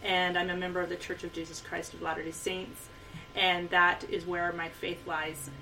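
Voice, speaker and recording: A woman's voice: fairly low pitch, level tone, moderate pace, bright, forceful tone. Hesitant woman guest, heard from a distance. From Costa Rica. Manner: hesitant, with frequent ums. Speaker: guest, author and speaker. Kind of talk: casual interview. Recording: mic at a distance, faint noise.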